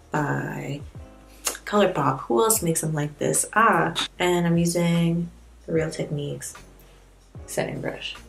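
With a fairly low, creaky voice, a woman in her twenties runs through a laid-back makeup tutorial as a beauty vlogger. She rambles candidly and pokes fun at herself wryly, filming in a small room against a plain wall.

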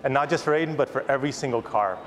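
On a large conference stage, a man in his thirties who founded a company races through an eager, rehearsed keynote unveiling a product in a medium-pitched voice. The audio has a long hall reverb and audible audience noise.

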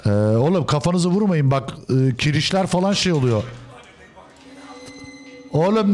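A man hosts a gaming video with casual, joking commentary and talks back at the characters on screen. His pitch leaps around animatedly as he swings between loud outbursts and low mutters. Faint game music sits in the background. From Turkey.

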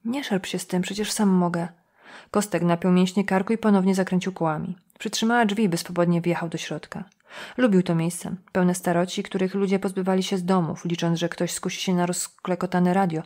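A woman narrating a crime novel audiobook in a measured, steady way. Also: on the low side. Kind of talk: scripted narration.

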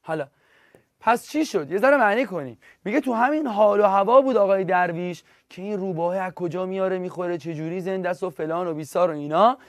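A man's voice: sits high, no echo, studio quality. A man teaching literature in an online class, talking straight to his students and repeating key terms.

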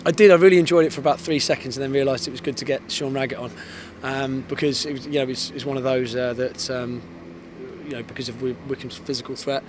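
A man in his thirties, an English football head coach, giving a post-match interview outdoors on a floodlit pitch at night, fast and thoughtful with many restarts. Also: fairly even intonation. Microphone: handheld interviewer mic. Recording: outdoor with clear background noise.

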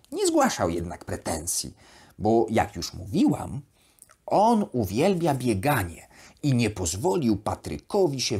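A narrator voicing a naive, chatty, elegant female plush duck reading from her diary in a children's bedtime audiobook, with expressive, wondering, childlike asides. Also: medium pitch, husky, full character voice.

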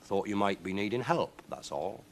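A man voicing a ragged, proud wandering soldier in a storybook, speaking in a quiet, plain way. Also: fairly low pitch, animated, moderate pace, a little hiss or hum. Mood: mildly reproachful.

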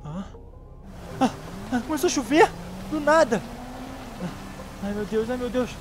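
A man with a Brazilian accent doing a dramatized game role-play, excitable and theatrical, often repeating his phrases. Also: extremely high pitch, measured pace, over music. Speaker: gaming video creator playing a scared explorer.

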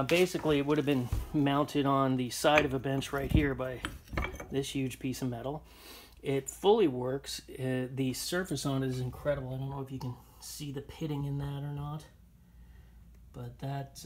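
A man walking through his antique finds on a handheld phone, talking casually with many ums and uhs. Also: mid-range voice. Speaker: antiques dealer showing finds. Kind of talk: casual walkthrough vlog. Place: indoor shop or barn, tiled floor. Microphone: handheld phone camera. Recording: noisy phone recording.

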